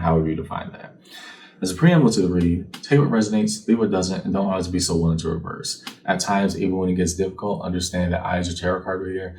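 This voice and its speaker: Chatting with the viewer as a fortune-telling tarot reader, a man speaks in a low-pitched, slightly mellow voice and keeps asking "right?" The recording is from a distant mic with a little background noise.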